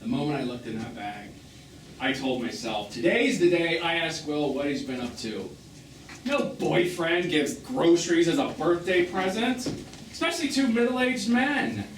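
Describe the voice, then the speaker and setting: A man's voice: fairly high pitch, animated, moderate pace, distant mic, lightly acted. An actor playing a bitter, witty middle-aged gay man on stage, with a theatrical, sardonic, wordy manner. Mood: accusing, bitter. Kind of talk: one-act stage play acting. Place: small theatre, live performance. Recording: roomy, noisy theatre recording from afar.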